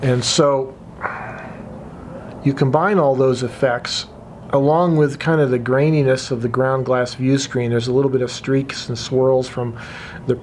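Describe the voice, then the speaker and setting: A man at medium pitch, moderate pace, monotone and flat, over noticeable background noise. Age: 60s. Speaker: hobbyist YouTuber. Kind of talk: casual vlog monologue. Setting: outdoors on patio. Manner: rambling, with repetitions.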